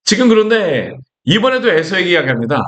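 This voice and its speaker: A man's voice: high voice, sing-song, quick pace, fairly bright tone. A male pastor preaching a sermon in a conversational way, asking his listeners rhetorical questions and acting out lines from scripture.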